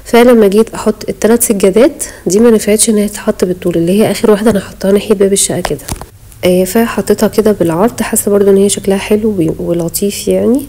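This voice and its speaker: Breathless Egyptian woman, rapid chat. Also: medium pitch, steady tone, warm tone, a little hiss or hum, low-quality recording. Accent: Egyptian Arabic. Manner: chatty, pious, talks straight to viewers. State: short of breath while talking. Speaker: home vlogger. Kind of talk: casual voice-over chat. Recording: voice-over.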